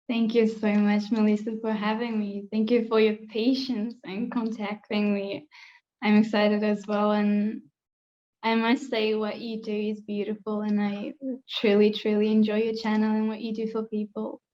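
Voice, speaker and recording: A woman from Kazakhstan telling a personal story as an interview guest, earnest and halting, on a slightly dull recording. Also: medium pitch, completely flat delivery, mellow. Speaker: podcast guest.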